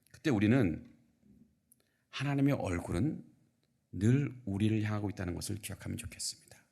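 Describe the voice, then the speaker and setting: A middle-aged man, a senior pastor, preaching a sermon in an earnest, measured way, pressing key phrases and letting sentence endings drop soft. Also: on the low side, vocal fry, breathy edge.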